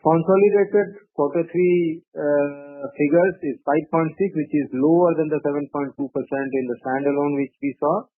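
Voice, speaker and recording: A man presenting quarterly results on an earnings call, measured and full of "uh" and "you know". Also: fairly high pitch, no room sound. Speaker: company executive presenting results. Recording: tinny phone-line audio, dry.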